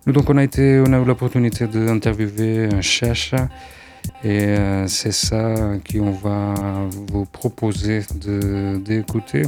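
A man's voice: on the low side, level tone, unhurried, a little mellow, soft background music. A male radio host presenting casually, with frequent hesitations and fillers.

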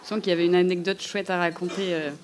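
A woman's voice: fairly low pitch, flat delivery, fast talker. A woman interviewer asking her guest questions in a friendly, familiar way.

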